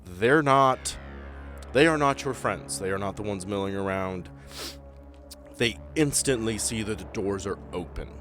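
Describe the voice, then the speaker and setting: A man with a very low, deep voice guides players through a creepy tabletop adventure, building dread with measured pauses. Soft music plays faintly beneath him. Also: expressive. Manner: descriptive, builds tension with pauses. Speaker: game master. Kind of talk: narrating a tabletop horror game.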